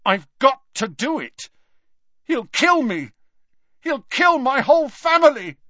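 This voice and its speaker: A man voicing a cornered teenage boy wizard who talks loudly, with a strained, rising voice. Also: sing-song, normal speed, no room sound, lo-fi sound. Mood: desperate. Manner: loud, strained, voice rising in pitch.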